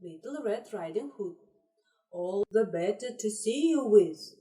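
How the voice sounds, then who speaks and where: Woman primary teacher, warm, animated intonation, recorded from a distance in a roomy space. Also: medium pitch. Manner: encouraging, repeats instructions slowly in three languages. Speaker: English teacher. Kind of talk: classroom lesson for young pupils. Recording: roomy echo, distant mic.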